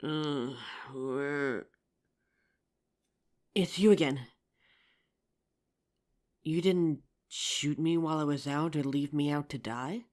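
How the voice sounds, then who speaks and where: A woman playing an injured young survivor of a zombie apocalypse in a roleplay audio drama, with halting, emotive delivery. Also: low-pitched, darkish tone. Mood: weary, wary.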